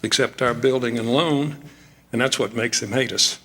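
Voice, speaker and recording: A man's voice: medium pitch, moderate pace, sharp tone. A man playing a tired, affectionate father, plain-spoken, in a staged radio drama. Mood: weary.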